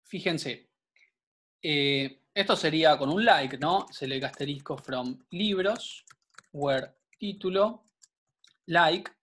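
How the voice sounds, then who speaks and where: A man's voice: on the high side, a bit bright. A man, teaching an online programming class patiently, checking in with students often. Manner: patient, explanatory, frequent check-ins with students.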